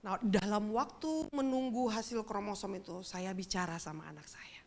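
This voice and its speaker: A woman's voice: mid-range voice, moderate pace, creaky, a little mellow. A middle-aged woman pastor, giving a sermon as a chatty personal story and speaking straight to the congregation. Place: church.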